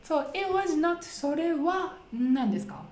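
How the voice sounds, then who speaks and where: A woman with a high voice and a Japanese accent hosts a conversational language lesson. She explains step by step and poses questions along the way. The sound is echoey and roomy. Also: very animated, normal speed, over a noisy crowd. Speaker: host leading English conversation practice. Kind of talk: casual explanatory lesson talk.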